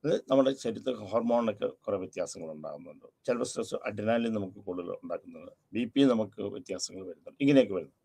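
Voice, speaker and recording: A male lecturer with a gravelly, husky voice talks through a psychology lesson for a recording. He explains patiently and repeats each key term, slipping English phrases into his speech. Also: lowish voice, expressive, racing, dark tone.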